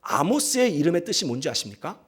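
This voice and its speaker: A pastor preaching a sermon, telling stories with lively drama and acting out the people he quotes, often speaking straight to the congregation. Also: a little high, fast, slightly rough. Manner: animated storytelling, acts out quoted voices; talks straight to the congregation, asks them to repeat.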